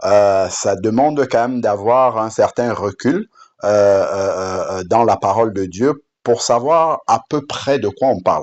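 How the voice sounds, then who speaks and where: A man with a Cameroonian accent, medium pitch and ordinary pitch variation, against a quiet background. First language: Bamoun (speaking French). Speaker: app developer presenting a Bible app. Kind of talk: product demo / personal testimony. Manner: halting, many hesitations and repetitions.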